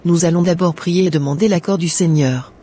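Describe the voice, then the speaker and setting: A woman voicing a devout young Christian bride in an animated film, speaking in an earnest, prayerful way. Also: lowish voice, fairly quick, slight background noise, natural voice. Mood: polite.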